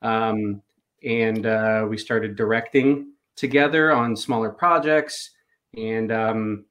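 A man from Los Angeles, a filmmaker and editor, telling his background as a podcast guest with frequent pauses. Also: fairly low pitch, a bit bright. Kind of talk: casual interview chat.

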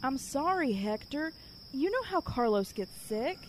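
An actress playing a caring young woman with a lively, scolding manner in an audio drama. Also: high voice, measured pace, background noise. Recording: music bed under voice.

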